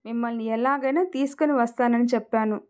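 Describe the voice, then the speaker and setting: A woman's voice: fairly high pitch, brisk, a little mellow, close to an everyday voice. A woman voicing a loving young husband who tenderly pleads and comforts, in an emotional audio story. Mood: pleading. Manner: affectionate, pleading.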